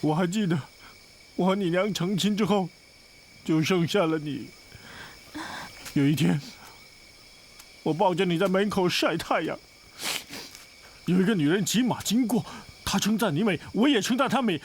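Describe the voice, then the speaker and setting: In a period martial-arts TV drama with a music score, an actor plays the young woman's father, a guilt-ridden, melodramatic man who keeps trying to die. His high voice goes at a normal speed with long pauses, wailing theatrically and swinging between sobs and rambling stories. Slight background noise is present.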